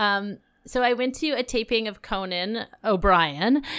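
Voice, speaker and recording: Her voice is an unremarkable speaking voice, as a woman with a Canadian accent talks at a medium pitch with lively intonation. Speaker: podcast host and comedy writer. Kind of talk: casual chat. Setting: recording remotely from home.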